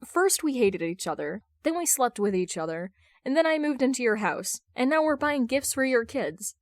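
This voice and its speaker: Woman acting a flustered, exasperated man, excitable pitch. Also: normal speed, dry recording, studio quality. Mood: incredulous. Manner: stammering, defensive. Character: flustered, exasperated adult man, superhero in love. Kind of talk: fan fiction audiobook dialogue.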